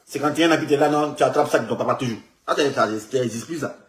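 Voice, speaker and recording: A man's voice: mid-range voice, fast talker. Rambling man in an echoey room. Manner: animated, repetitive, stumbling restarts. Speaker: political commentator. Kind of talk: rambling commentary on a photo.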